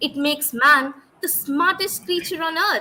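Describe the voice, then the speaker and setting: Her voice is raised and projected, with a bright, sharp tone. The woman speaks at a high pitch and a moderate pace. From India. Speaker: event moderator. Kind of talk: formal event moderation, scripted opening speech. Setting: online live event. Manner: formal.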